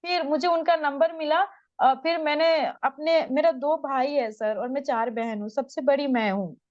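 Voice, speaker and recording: High-voiced young woman, urgent testimony. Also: fairly even intonation, moderate pace, darkish tone, no room sound, lo-fi sound. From Bihar, India. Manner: urgent, distressed retelling, addresses the interviewer as sir. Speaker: interviewee. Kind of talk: emotional testimony in an interview.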